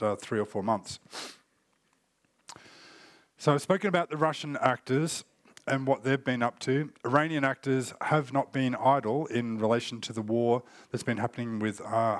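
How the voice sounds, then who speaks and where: The speaker is a man in his forties giving a keynote on cyber threat intelligence, occasionally coughing as he gets past a cold. With a medium-pitched voice, he explains loosely and leans on fillers; there's no room sound in the recording.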